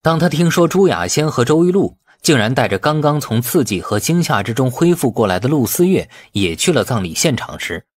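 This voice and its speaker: A man's voice: medium pitch, sing-song, fairly quick, few pauses, no echo, clean studio sound. A man narrating a novel as a dramatic scripted audiobook.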